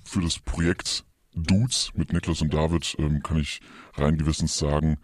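A man on a comedy podcast playing an anonymous confessor through a distorted, pitched-down voice effect, hesitant and mock-solemn with many fillers. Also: steady tone, moderate pace, no echo. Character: anonymous male confessor hiding his identity. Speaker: podcast co-host.

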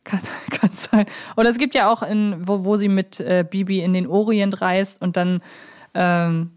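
Woman, medium pitch, podcast co-host, conversational, tentative, seeks confirmation. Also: fairly even intonation, measured pace, a little mellow. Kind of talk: casual conversational discussion.

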